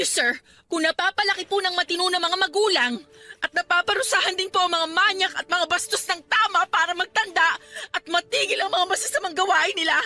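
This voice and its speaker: Bright-voiced, defiant young employee. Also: female voice, very high-pitched. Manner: indignant, polite but assertive. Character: wronged, defiant young female employee and student. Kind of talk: Tagalog radio drama acting.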